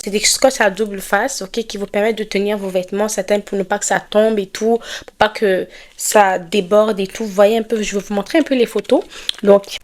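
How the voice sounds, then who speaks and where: A woman's voice: medium pitch, darkish tone. Chatty young woman vlogger, frequent "ok?". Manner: chatty, keeps asking "ok?". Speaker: vlogger promoting her products. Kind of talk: casual direct-to-camera vlog talk.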